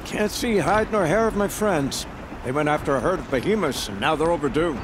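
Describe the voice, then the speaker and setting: An actor playing a worried, talkative tribal guard in a video game, fretful and wry. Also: male voice, on the high side, animated, a little fast, natural voice. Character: worried, chatty tribal man on guard duty. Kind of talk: video game character acting. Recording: clear outdoor ambient noise behind.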